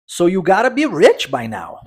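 A Brazilian man teaching an English lesson, upbeat, slowly drilling phrases for his listeners to repeat. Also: high voice, wildly swooping pitch, husky. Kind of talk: English lesson for Portuguese speakers.

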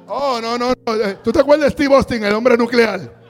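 A man preaching a sermon, calling on the congregation to repeat after him and rising to shouts. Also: very high voice, moderate pace, soft background music. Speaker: pastor.

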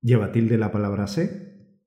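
Mellow Spanish man explaining grammar. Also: lowish voice, measured pace. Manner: calm, explanatory delivery, encouraging the listener. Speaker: podcast co-host and Spanish teacher. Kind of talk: scripted teaching podcast. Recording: roomy echo.

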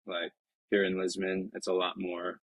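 Low flat husky young man. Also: no echo. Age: 20s. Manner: reflective, halting, many restarts. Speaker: professional soccer player, guest. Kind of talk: casual interview talk. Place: Lisbon.

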